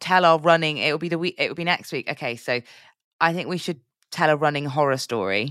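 Speaking at a fairly quick pace in a British accent, a woman uses a very deep, low pitch with ordinary pitch variation, and the recording is very clean, with a silent background. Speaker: podcast co-host. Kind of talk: casual chat.

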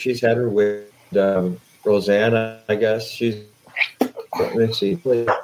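A man's medium-pitched voice at a very slow pace. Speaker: co-host and producer. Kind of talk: casual comedic chat. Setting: studio.

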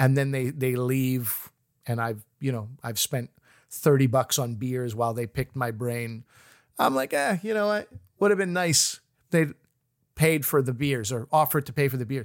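In a very clean recording with a silent background and a dry, close sound with no echo, a man with a Canadian accent uses a plain, everyday voice, medium in pitch, at a moderate pace with ordinary pitch variation. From Quebec, Montreal. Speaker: stand-up comedian and radio host. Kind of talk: casual chat.

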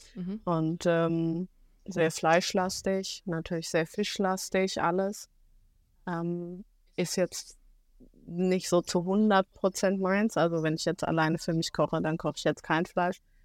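A woman's fairly low, monotone voice with flat intonation, at a very slow pace, in a very clean recording with a silent background. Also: dry, close sound with no echo. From Germany, Frankfurt area. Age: 20s. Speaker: horse trainer. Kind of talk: casual interview.

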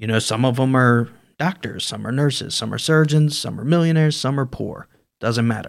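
A man with an East Coast American accent and ordinary pitch variation, on a very clean recording with a silent background. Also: medium pitch for a man, fairly quick pace. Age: 30s. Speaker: former police officer and radio broadcaster. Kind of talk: casual interview. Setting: studio.

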